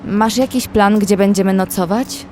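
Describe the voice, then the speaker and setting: An actress playing a young woman who survives an apocalypse, narrating in a measured, literary way as an anxious observer. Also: mid-range voice, a little mellow, a little hiss or hum, close to an everyday voice. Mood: worried. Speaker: narrator and actress in audio drama. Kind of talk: scripted first-person horror story narration. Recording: music under the voice.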